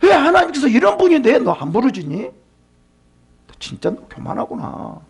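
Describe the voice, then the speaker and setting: A man acting out a lecturing friend, impatient, rapid-fire questions, very husky. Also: very high-pitched, big pitch swings, voice pushed up, exaggerated voice. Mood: scolding. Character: self-righteous male friend scolding a sufferer.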